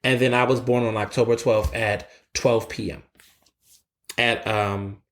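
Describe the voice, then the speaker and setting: An American man in his twenties hosts a solo opinion podcast, tired after a long late night. His mid-range voice moves at a measured pace, and he's animated, blunt, and sassy. He often stammers and restarts his sentences.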